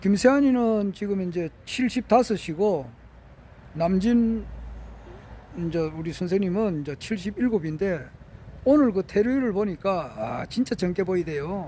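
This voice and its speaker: This man's voice sits high in pitch, and he speaks at a fairly slow pace with long, frequent pauses. The recording is very clean, with a silent background. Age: 70s. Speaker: retired civil servant vlogger. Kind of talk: casual vlog monologue. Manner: halting, repetitive.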